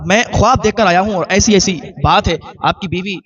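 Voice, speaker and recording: A man voicing an earnest young man who gently urges forgiveness, recorded muffled from a distance. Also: high voice, fairly quick. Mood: pleading. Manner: earnest, persuasive pleading. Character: earnest pleading young male traveler.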